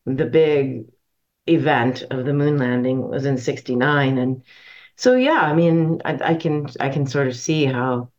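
A woman's voice: very deep voice, expressive, unhurried, a little mellow. A woman guesting on a podcast, chatting in a rambling way with many fillers. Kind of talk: casual chat. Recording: dull lo-fi sound.

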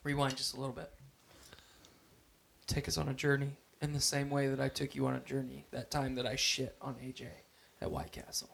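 A man's voice: medium pitch, flat delivery, fairly quick, creaky, fairly bright tone. A man in his late twenties co-hosting a podcast, crude and teasing in casual chat. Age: late 20s. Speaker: podcast co-host.

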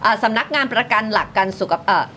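A woman's voice: a little high, slight background noise. A female news talk host presenting stories in a chatty, casual commentary style. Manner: quick, lively, chatty with คะ particles.

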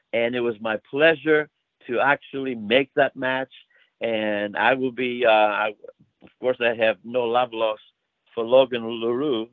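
An older Greek-accented man with a medium-pitched voice, a wrestling promoter, tells stories warmly in a casual interview, leaning on lots of fillers. The recording is dry and sounds like a tinny phone line.

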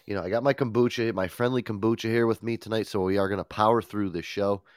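A man's voice: on the low side, steady tone, fast, dry recording, studio quality. A man hosting a radio show in casual, profane chat, stuffed up with a head cold. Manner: swears often, laid-back rambling.

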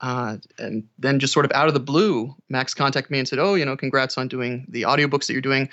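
A man's voice: medium pitch, steady tone, a little fast, fairly bright tone. A man speaking as an interview guest, an audiobook narrator casually recounting his experiences. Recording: dull, band-limited audio.

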